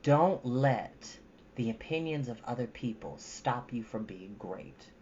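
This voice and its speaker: A woman's voice: extremely low pitch, animated, slow pace, a little mellow, highs cut off, slight background noise. A woman talking casually to her viewers as a storytime host, in an informal, emphatic, encouraging way.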